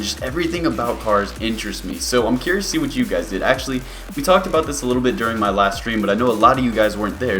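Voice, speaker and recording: Young man chatting casually, music behind. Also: medium pitch. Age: 20s. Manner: relaxed, rambling, many fillers. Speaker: YouTuber. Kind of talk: casual Q&A vlog.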